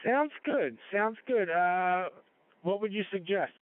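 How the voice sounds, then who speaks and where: A man's voice: sits high, animated, slow pace, no room sound. A man chatting casually as a novice amateur radio operator, heard over a two-way digital radio. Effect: two-way digital radio transmission. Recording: dry, muffled digital radio audio.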